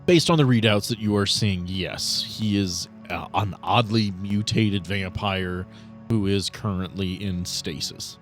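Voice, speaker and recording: A man acting as game master, narrating casually with deliberate, halting phrasing. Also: fairly low pitch. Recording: music behind.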